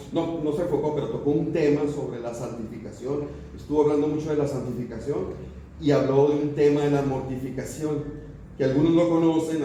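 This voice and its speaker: A man's voice: mid-range voice, dark tone, slight background noise. A man preaching a sermon as pastor, in a conversational way with everyday examples and frequent questions to the congregation. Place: church sanctuary. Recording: roomy distant church recording.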